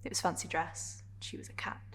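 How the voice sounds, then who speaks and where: A woman performing a dramatic stage monologue as a vulnerable, defiant gay woman confronting a partner, in halting, emotionally charged phrases. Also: a bit bright, whispered, close to an everyday voice. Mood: quiet, confessional.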